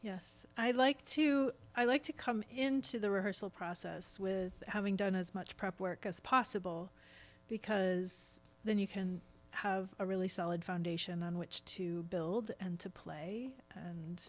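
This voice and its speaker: A woman's voice: medium pitch, steady tone, measured pace. A middle-aged woman speaking as a podcast guest, explaining things earnestly in a conversational way. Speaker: podcast guest, stage actor. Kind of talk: conversational interview.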